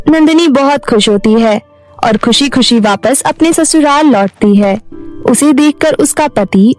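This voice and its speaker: High voiced lady narrating a kids story, music underneath. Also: a little mellow. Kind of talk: scripted children's story narration.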